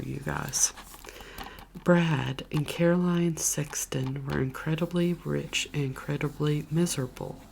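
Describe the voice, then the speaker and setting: A woman softly whispering chatty, gushing movie recommendations as an ASMR vlogger. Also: low voice, creaky, a little hiss or hum. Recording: keyboard clicks and typing behind voice.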